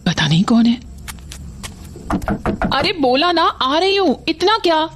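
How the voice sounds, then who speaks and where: Bitter mother, audio drama, scolding, harsh, lively pitch. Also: slow, background noise, exaggerated voice. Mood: caring. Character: bitter mother disowning her son, fierce.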